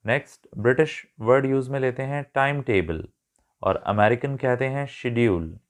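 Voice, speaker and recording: A man's voice: mid-range voice, normal speed. A man teaching English vocabulary in a spoken lesson, explaining words, mixing English terms into his talk, spelling some out letter by letter and now and then correcting himself. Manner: corrects himself mid-sentence.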